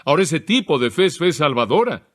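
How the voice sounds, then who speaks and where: A man delivers an expository sermon with measured, explanatory teaching. His voice sits a little higher than most men's. He slows down deliberately to stress key phrases as he works through the text. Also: very animated. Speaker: preacher.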